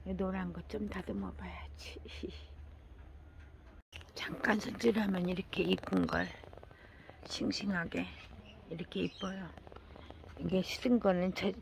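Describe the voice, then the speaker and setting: An older woman talking slowly to herself while tending plants in a casual gardening vlog, often dropping into a half whisper. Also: fairly low pitch, steady tone, gravelly, noisy background. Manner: slow, murmuring, often drops to a half whisper. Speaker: gardening vlogger.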